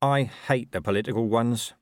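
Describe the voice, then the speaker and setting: A man playing a weary, sardonic senior policeman in an audiobook, speaking in a dry, deliberate, clipped way. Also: mid-range voice, no room sound, lightly acted. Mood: wry. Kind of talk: audiobook character voice.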